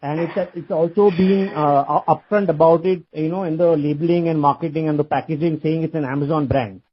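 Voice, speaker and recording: On a muffled phone line, an analyst calling in to an earnings call asks a long, wordy question and circles back to restate it. His fairly high voice is steady, a little fast, and has a breathy edge.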